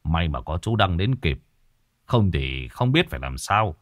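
A man's voice: low-pitched, very animated, measured pace, dry recording, clean studio sound, voice pushed down. A man voicing a grateful older village man speaking plainly. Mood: relieved.

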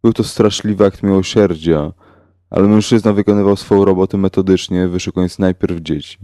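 Deep, dark-voiced horror narrator, a man. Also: fairly even intonation, dry recording, studio quality. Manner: slow, measured and grave. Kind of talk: scripted horror audiobook narration.

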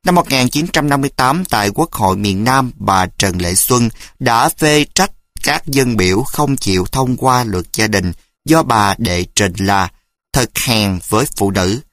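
A man reads an essay aloud for an audiobook, at a middle pitch and in a steady, explanatory manner. The recording is dry and close, with no room sound around his voice. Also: unhurried, no echo. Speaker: audiobook reader.

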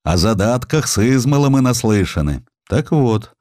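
Man voicing a pleading provincial merchant, pitched up. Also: animated, moderate pace, a little mellow, dry recording, studio quality, natural voice. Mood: resigned. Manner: folksy, humble, begging. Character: pleading, naive provincial male merchant in trouble.

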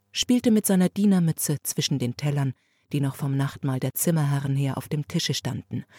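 A woman narrating a classic story as an audiobook, in a measured, steady storytelling manner. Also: low-pitched, husky, no room sound, clean studio sound.

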